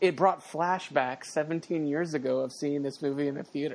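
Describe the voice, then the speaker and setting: In an American accent, a man talks at a moderate pace in a normal speaking voice, fairly high in pitch with fairly even intonation. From Dallas, Texas. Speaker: co-host, horror fan. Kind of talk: casual podcast chat.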